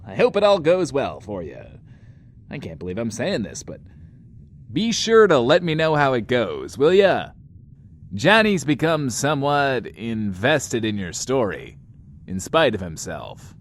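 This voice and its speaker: Swooping, cocky radio DJ. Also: male voice, medium pitch, big pitch swings, unhurried. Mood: wry, fond. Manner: drawling, refers to himself in third person. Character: cocky, flirtatious male radio DJ, secretly soft-hearted. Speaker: radio show host. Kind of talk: in-world radio DJ acting in an audio drama.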